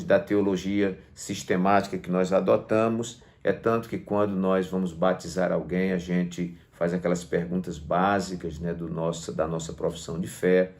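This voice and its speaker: Male pastor, lowish voice, didactic Bible teacher stressing key words for online students. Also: creaky, a little mellow. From Brazil. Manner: didactic, emphatic on key words, often seeks agreement with tag questions. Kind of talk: Bible lesson to online viewers.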